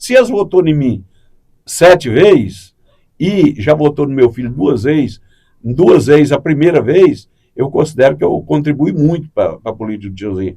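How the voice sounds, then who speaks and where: Dark and mellow in tone with vocal fry, a man's fairly high voice swings very widely in pitch at a moderate pace. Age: 70s. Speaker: former city councillor and rancher. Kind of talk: interview.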